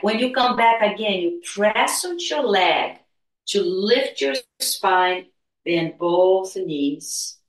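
Soothing lady leading meditation like a spiritual healer, slow and unhurried, roomy echo, bit far from the mic. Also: fairly low pitch. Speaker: meditation and gentle yoga teacher. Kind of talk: guided meditation and gentle movement instruction. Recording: echoey room, distant from mic.

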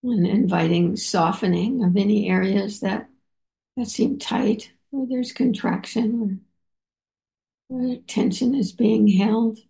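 Woman, meditation teacher, guided meditation, very slow, halting with fillers, warm low tone. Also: creaky, rough recording. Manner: unhurried, halting, with frequent pauses and fillers. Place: meditation center.

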